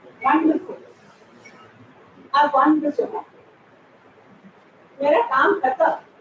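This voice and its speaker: Against noticeable background noise, a woman speaks at a high pitch and a very slow pace with lively intonation and long, frequent pauses. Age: 70s. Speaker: guest speaker, teacher. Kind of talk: talk to students. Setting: college auditorium with audience. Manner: conversational, code-switching Hindi and English.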